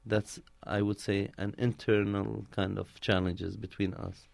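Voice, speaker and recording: Low-voiced man, close dry sound. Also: little pitch movement, measured pace, creaky, darkish tone, dry recording. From Palestine. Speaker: interviewee, community organizer. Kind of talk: conversational interview answers, telling personal stories.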